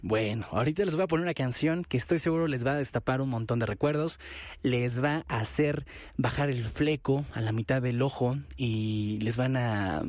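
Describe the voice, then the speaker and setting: A man with a Mexican Spanish accent hosting a radio ticket giveaway from a studio booth, animated and repeating phrases for emphasis. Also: medium pitch, moderate pace, dry recording. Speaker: radio host.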